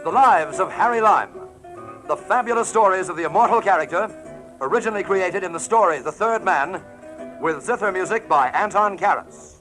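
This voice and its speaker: Grand formal male announcer, high voice, old radio broadcast over music. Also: animated, normal speed, rough recording. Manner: grand, declamatory.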